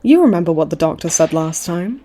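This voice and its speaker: This comedic audio roleplay features a woman voicing a hospitalized supervillainess in her late twenties, smug and flirty, her mellow voice low, animated and a little fast. The mood is sweet and flirty as she taunts theatrically in a teasing, mock-sweet way.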